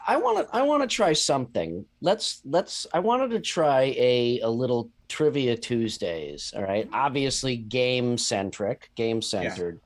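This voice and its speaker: A man's voice: medium pitch, big pitch swings, unhurried, hardly any pauses. A man co-hosting a podcast in a playful way, laughing often. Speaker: podcast co-host. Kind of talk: casual chat.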